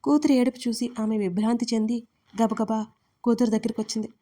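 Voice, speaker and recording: Woman narrator, higher voice, steady monotone audiobook reading. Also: a little fast. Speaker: storyteller, channel host.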